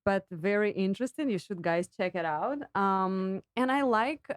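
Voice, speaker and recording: A woman from Russia with a Russian accent, chatting as a podcast guest and pausing to search for words. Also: medium pitch, clean tone, no echo, clean studio sound. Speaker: guest singer and actress. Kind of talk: casual podcast chat.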